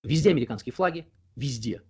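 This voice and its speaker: A young man being interviewed, talking at length in an opinionated way, often pausing on fillers. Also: mid-range voice, animated, mellow, breathy edge. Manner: talkative, opinionated, explains at length with frequent fillers. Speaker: interview guest. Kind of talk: casual conversational interview.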